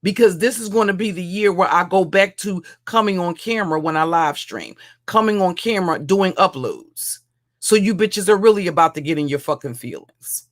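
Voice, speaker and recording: A woman with a heavy, deep voice, ranting as a livestream commentator in a mocking, profane way, often repeating and restarting her phrases. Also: normal speed. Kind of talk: profane roast rant.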